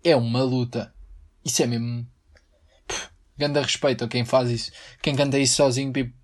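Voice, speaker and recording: A man's voice: mid-range voice, little pitch movement, brisk. Young Portuguese man rambling on a podcast. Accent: European Portuguese. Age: young adult. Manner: rambling and slangy, breaks into mock singing. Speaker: podcast host. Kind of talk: casual solo podcast chat.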